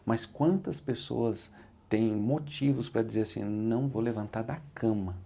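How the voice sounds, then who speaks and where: A man's voice: on the low side, a little slow, creaky, dark tone. A man with a Brazilian Portuguese accent, an interview guest and motivational speaker, telling his story in an earnest, reflective way. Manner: earnest, repeats "said like this" when quoting himself.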